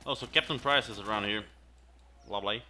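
A man's voice: on the low side, brisk, bright, forceful tone. A man giving casual commentary over his own gameplay, muttering reactions and repeating the game's lines back. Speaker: gameplay video host.

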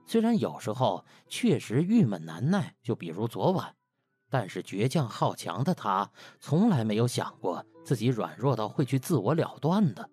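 A man's voice: mid-range voice, very animated, normal speed, a little mellow, slightly rough, no room sound, soft background music. A man narrating a novel as an audiobook, in a scripted storytelling style.

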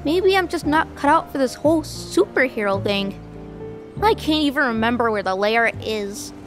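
A woman voicing an eager, naive young male superhero dog in a cartoon, earnest, excitable and hapless. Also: sits high, normal speed, over music. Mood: dejected. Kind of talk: cartoon voice acting.

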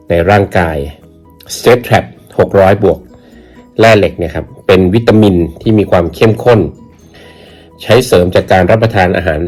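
A man with a very low voice talks casually to camera as he reviews a supplement. He speaks in an unhurried, halting way, often repeating a word or phrase before moving on. Faint music plays softly behind him. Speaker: YouTube channel host. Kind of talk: casual product review vlog.

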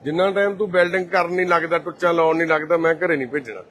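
A man from Punjab, India, the volunteer host of a care society, walking through a care centre and gently reassuring patients and their families. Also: on the high side, fairly even intonation, racing. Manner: gentle and reassuring, calls people mother and brother. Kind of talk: casual on-camera walkthrough talk.

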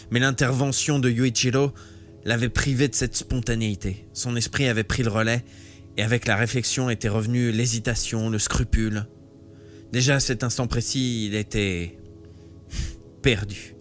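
A man reading a novel aloud live, with expressive, lively storytelling. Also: mid-range voice. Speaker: audiobook reader.

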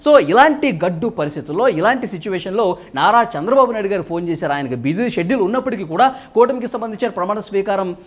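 A man delivering political news commentary at a brisk clip, his voice sitting high for a man. He talks fluently and explains as he goes, often leading into phrases with a quick "so". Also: lively intonation.

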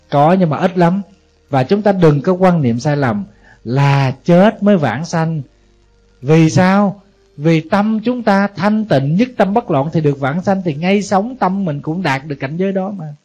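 This Buddhist sermon comes from a male monk with a Southern Vietnamese accent, who preaches conversationally and poses rhetorical questions to his audience. His voice is fairly high and a bit mellow. The audio is dull and lo-fi, with faint music in the background.

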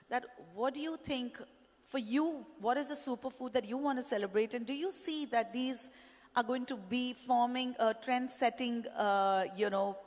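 A woman in her thirties moderating a panel on a conference stage, chatty and anecdotal with many fillers, into a handheld mic. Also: fairly high pitch. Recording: long hall reverb.

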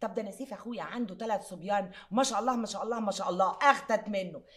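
A woman's voice: medium pitch, a bit bright, close to an everyday voice. An actress playing a chatty, joking young woman in an Egyptian television comedy drama, with an Egyptian accent. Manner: rapid, wisecracking.

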